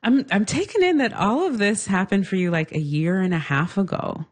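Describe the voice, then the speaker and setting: A woman hosting an interview, asking gentle and attentive questions. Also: mid-range voice, expressive, normal speed. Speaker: host.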